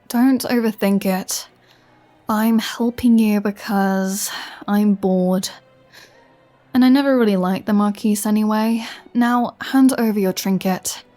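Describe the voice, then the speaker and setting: A woman's voice: medium pitch, steady tone, takes it slowly, pauses often, warm tone, soft background music, close to an everyday voice. A woman playing a flirty, sardonic vampire in an ASMR roleplay, teasing and sarcastic with a playful threat. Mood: sardonic, scheming. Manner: teasing, sarcastic, conversational with sighs. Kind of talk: ASMR roleplay audio drama.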